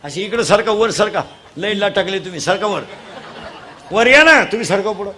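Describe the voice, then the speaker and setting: A man leading a comic devotional kirtan, teasing the crowd and quizzing children, urging them to answer loudly. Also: high voice, lively intonation, moderate pace. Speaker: kirtan preacher. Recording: live crowd with faint noise.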